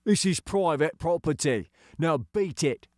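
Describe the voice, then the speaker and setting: Menacing workman bully, acted by a male narrator, sneering and bossy, lively delivery, dry studio sound. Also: a little high, measured pace, no echo, pitched above the performer's own voice. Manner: threatening, sneering. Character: gruff, sneering pot-bellied adult male digger driver.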